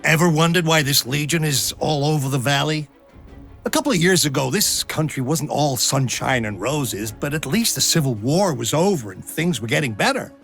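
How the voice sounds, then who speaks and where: High, tense, panicky mercenary. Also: male voice, lively intonation, moderate pace, vocal fry, a bit bright, soft background music. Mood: wary, rambling. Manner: frantic, exclamatory, wary. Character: panicky, talkative, cowardly mercenary man. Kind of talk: dramatic video game acting.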